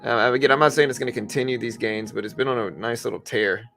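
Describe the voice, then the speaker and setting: A stock trader hosts a casual market livestream, chatting informally with viewers and thinking aloud as he goes. His mid-range voice is steady, fast and a bit bright, with music playing in the background.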